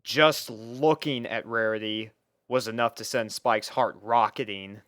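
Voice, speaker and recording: A man's voice: lowish voice, fairly even intonation, unhurried, fairly bright tone, clean tone, no room sound, clean studio sound. A man reading scripted story narration as the narrator of a piece of fiction.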